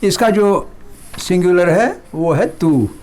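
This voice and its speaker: A middle-aged man teaching a Persian lesson, repeating words slowly and explaining them in a mix of Hindustani and English. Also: high-pitched, expressive, darkish tone. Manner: slow, drawn-out repetition of words. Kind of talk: slow classroom lesson.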